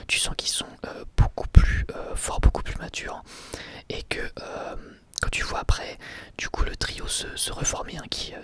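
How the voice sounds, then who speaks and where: A man speaking entirely in a soft, breathy whisper for an ASMR review. He is unhurried and hesitant, filling pauses with fillers and casual slang. Even in a whisper, his delivery rises and falls a great deal. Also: mid-range voice. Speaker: anime reviewer.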